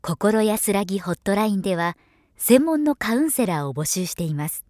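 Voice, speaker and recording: A woman who works as a professional voice-over narrator, reading a script in a formal, measured, clearly articulated way. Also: medium pitch, animated, a little mellow, dry recording, clean studio sound. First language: Japanese. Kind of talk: polished scripted narration for demos.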